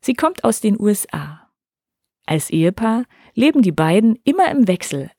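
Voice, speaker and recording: A woman narrating a story in a gentle, expressive reading voice, lightly voicing the characters. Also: medium pitch, husky, no room sound, studio quality. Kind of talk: scripted storytelling for children.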